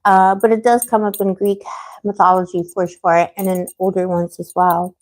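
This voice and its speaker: A woman's voice: medium pitch, little pitch movement, normal speed, a little mellow. Chatty rambling woman with a frayed voice. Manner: rambling, chatty, full of fillers and restarts; gossipy, laughs often. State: losing her voice. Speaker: tarot livestream host. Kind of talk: casual livestream chat. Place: living on a Mediterranean island.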